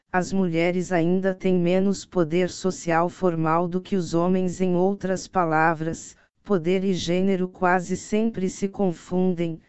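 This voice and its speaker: A narrator reading a nonfiction book aloud in a steady, even way. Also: medium pitch, clear, resonant tone, dry recording. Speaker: audiobook reader.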